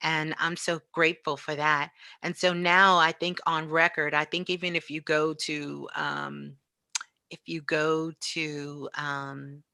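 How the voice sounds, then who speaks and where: A middle-aged woman with a lowish, bright and forceful voice. She talks casually as an interview guest, expressive and emphatic, often restating a phrase for weight. The sound is dry and close. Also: slow pace, gravelly, no room sound. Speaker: guest, online radio show host. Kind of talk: casual spiritual interview talk.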